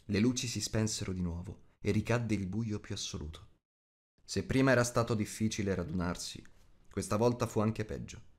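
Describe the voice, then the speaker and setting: A man narrates an audiobook in a fairly low voice. His delivery is scripted storytelling, read aloud.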